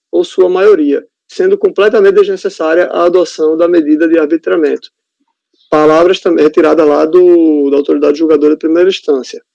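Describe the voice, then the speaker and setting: Gravelly Brazilian man reading a ruling. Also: a little high, warm tone, no echo. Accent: Brazilian Portuguese. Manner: reads a prepared ruling, often halting on fillers and restarts. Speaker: reporting judge on a tax appeals board. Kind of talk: formal legal reading with spoken asides. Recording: dull, lo-fi, dry audio.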